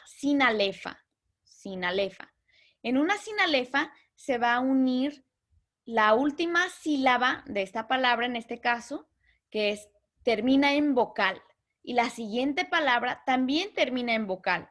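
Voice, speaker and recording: A woman teaching a literature lesson, patiently explaining terms and slowly counting out syllables. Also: on the high side, fairly bright tone.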